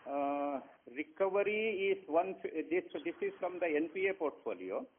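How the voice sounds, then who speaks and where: A man with an Indian accent answering analyst questions as a bank executive on an earnings call, speaking haltingly. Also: a little high, expressive, a little hiss or hum. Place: conference call over the phone. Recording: tinny narrowband phone line.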